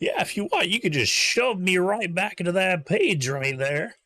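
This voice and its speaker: Doing a put-on character voice, a man speaks at a moderate pace with a high pitch. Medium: actual play. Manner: chirpy, cartoonish.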